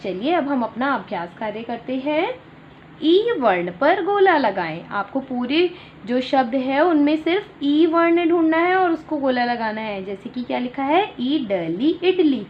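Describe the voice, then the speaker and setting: A woman teaching an online Hindi class for small children, with a high voice that climbs and dips a great deal as she sounds out each syllable slowly. The recording is dull and lo-fi, with a faint hum of ambient noise underneath. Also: very animated. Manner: slow, drawn-out syllable-by-syllable dictation for young children; addresses children warmly, explaining words simply. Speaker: primary school Hindi teacher.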